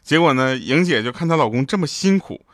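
Lively comic host. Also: male voice, mid-range voice, a little fast, dry recording, clean studio sound. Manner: lively, acts out quoted people in changed voices, laughs at his own jokes. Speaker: show host. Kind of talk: comic storytelling monologue.

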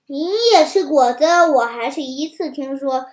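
A woman's voice: high-pitched, unhurried. Woman voicing a clever young calf. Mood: wary. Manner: alert, scornful when he sees through lies. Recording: roomy echo.

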